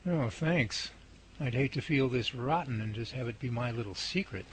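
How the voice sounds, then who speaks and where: A man's voice: mid-range voice, normal speed, close to an everyday voice. An actor in a hobby radio drama playing a tired, self-mocking young man who grumbles and jokes, over a noisy recording. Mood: wry. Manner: wisecracking and grumbling.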